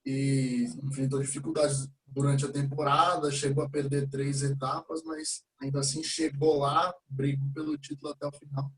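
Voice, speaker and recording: A man's voice: mid-range voice, level tone, moderate pace, few pauses, distant mic, low-quality recording. A male podcast host asking a loose, filler-heavy interview question.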